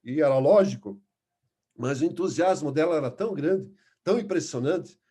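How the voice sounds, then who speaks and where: A man's voice: a little high, expressive, normal speed, warm tone, breathy edge. A man teaching a Bible lesson, earnest and emphatic, stopping to restart words and reading scripture aloud. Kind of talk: Bible class lecture.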